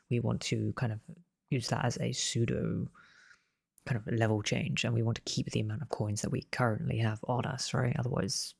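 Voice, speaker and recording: A man with a husky, gravelly voice, worn down as he loses it, talks through a programming tutorial over a screen recording. He explains at an easy pace and corrects himself mid-sentence. The sound is dry and close, and keyboard typing and clicks come through underneath. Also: mid-range voice, no echo. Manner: relaxed, self-correcting explanations. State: losing his voice. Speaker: game development tutor.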